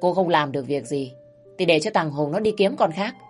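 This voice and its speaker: A woman voicing a shrill nagging mother-in-law. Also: expressive, brisk. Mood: scolding. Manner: shrill, nagging, raising her voice. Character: harsh scolding older mother-in-law. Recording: faint music underneath.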